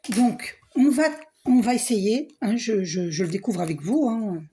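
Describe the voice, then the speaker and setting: A hoarse middle-aged woman with a husky voice, talking casually in a spiritual vlog, often clearing her throat and trailing off. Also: medium pitch, unhurried, a little hiss or hum. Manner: frequent throat clearing and coughing; hesitant, restarts, soft asides. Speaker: spiritual vlogger. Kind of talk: casual spiritual vlog, reading card box aloud.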